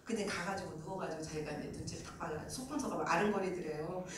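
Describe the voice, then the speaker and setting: A middle-aged woman giving a sales seminar, telling stories with animated acted-out dialogue and frequent laughter. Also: on the low side, fast, over a noisy crowd. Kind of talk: business presentation with anecdotes. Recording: echoey room, mic at a distance, faint noise.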